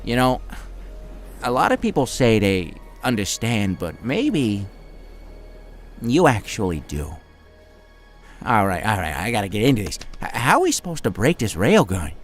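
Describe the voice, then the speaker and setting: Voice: medium pitch, very animated, normal speed, pauses often, faint music behind, natural voice. A performer acting a cocky, wisecracking, streetwise male demon in a fan audio drama, with a theatrical, slangy manner. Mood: bitter, guarded.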